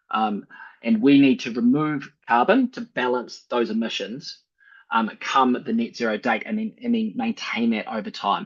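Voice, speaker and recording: In a New Zealand accent, a man speaks with very wide pitch swings. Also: fairly high pitch for a man, moderate pace. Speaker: climate communicator. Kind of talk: webinar presentation. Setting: video call webinar. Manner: hesitant, many fillers.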